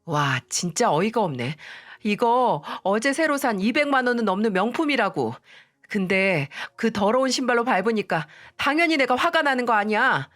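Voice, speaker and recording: A woman voicing an arrogant, spoiled young woman who talks down to her sister-in-law in a shrill, contemptuous tone. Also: very animated, moderate pace, fairly bright tone, faint music behind.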